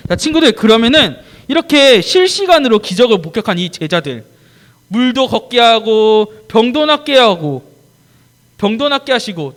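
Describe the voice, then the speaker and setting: A man preaching a children's sermon in church, telling the story in an animated way, acting out scenes and quizzing the kids. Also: high voice.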